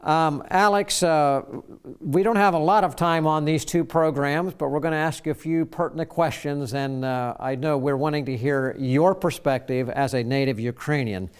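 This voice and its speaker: Slightly high-voiced talk show host. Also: male voice, normal speed, smooth. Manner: reads a letter aloud, then interviews with fillers. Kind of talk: broadcast talk show hosting.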